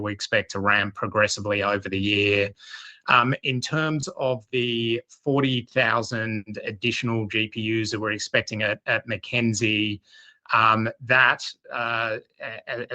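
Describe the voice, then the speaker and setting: A man speaking as a company executive on an earnings call, choosing his words carefully with halting, measured phrasing. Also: fairly low pitch, pushed and bright, poor audio.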